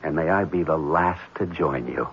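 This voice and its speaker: An actor playing a bitter, sardonic black-sheep brother, mocking and theatrical, in an old radio drama. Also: male voice, very deep voice, normal speed. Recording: noisy, dull vintage radio recording.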